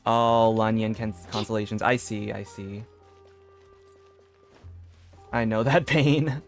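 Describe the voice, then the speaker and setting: A man's voice: on the low side, steady tone, slow. A man livestreaming a game, chatting casually and reading bits of on-screen text aloud. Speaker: game streamer. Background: soft game music.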